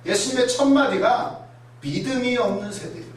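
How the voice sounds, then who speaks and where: A man preaching a sermon in a lively, conversational way, acting out voices and asides. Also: very high-pitched, moderate pace. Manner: animated, acts out voices and asides. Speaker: pastor. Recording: echoey hall, mic far off, faint noise.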